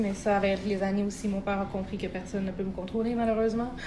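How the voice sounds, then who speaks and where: A woman's voice carries audible room echo. Noticeable background noise sits behind her. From Quebec, Montreal. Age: 30s. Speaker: guest sharing personal story. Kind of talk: casual chat.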